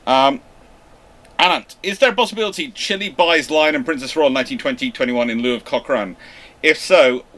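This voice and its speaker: A man's voice: mid-range voice, a bit bright. Man answering questions, lots of ums. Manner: hesitant, many fillers and restarts. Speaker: naval history channel host. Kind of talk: live Q&A, reading and answering viewer questions.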